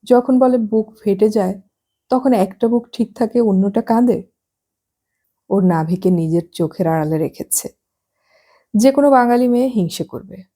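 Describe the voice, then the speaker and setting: A woman narrating a novel as an audiobook, reading at an unhurried pace and lightly acting out the dialogue. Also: mid-range voice, warm tone, husky.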